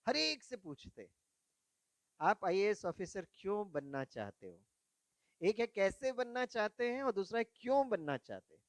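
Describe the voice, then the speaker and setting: This spiritual speaker's voice is high-pitched, with no room sound. Addressing young people, he shares stories from his life, poses questions to the audience and slips English words into his Hindi.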